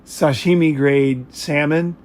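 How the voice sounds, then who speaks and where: Blunt, rambling American man, higher-pitched voice. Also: fairly even intonation, slow pace. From United States. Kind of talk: casual chat.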